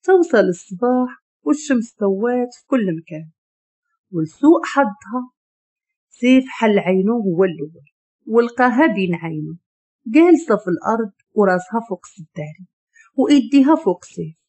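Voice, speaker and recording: A woman's voice: on the high side, expressive, normal speed, mellow, slightly rough. Woman narrating in Moroccan Arabic. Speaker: storyteller. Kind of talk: narrating a romance story.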